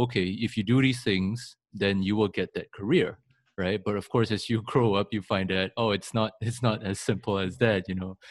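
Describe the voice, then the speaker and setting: A man talks as a podcast guest, rambling and often restarting his sentences. His voice is fairly low, and the recording is dry and close. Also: dry recording. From Singapore. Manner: rambling, many fillers and restarts. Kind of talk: casual interview.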